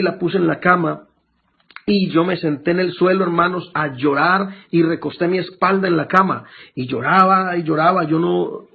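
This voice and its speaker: A man speaking in a slightly high, gravelly and husky voice, giving an emotional sermon testimony that halts and repeats words. The recording is tinny and phone-like. Faint music plays behind him.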